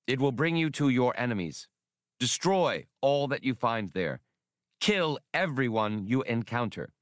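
A man voicing a stern, ruthless official who commands a robot army, formal and deliberate, in a science fiction audiobook. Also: mid-range voice, big pitch swings, no room sound, clean studio sound, voice pushed up. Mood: ruthless, commanding.

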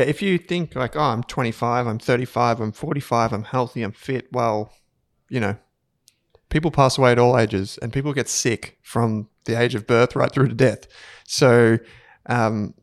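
A man co-hosting a finance podcast, talking in a relaxed, conversational way. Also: medium pitch, no room sound, studio quality. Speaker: podcast co-host. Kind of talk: casual finance podcast chat.

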